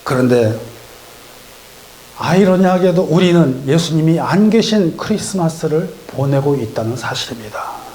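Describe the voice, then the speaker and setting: A middle-aged man with a fairly high voice preaches to his congregation. He tells a story by acting out its characters' lines in different voices, then turns it into his sermon. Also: animated, moderate pace, a little mellow. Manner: storytelling with acted dialogue voices. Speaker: pastor. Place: church sanctuary.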